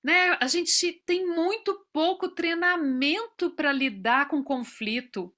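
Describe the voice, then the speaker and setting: Brazilian woman, forties, speaker at a professionals' talk; high, bright voice; tells personal stories and acts out dialogue. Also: slow. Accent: Brazilian Portuguese.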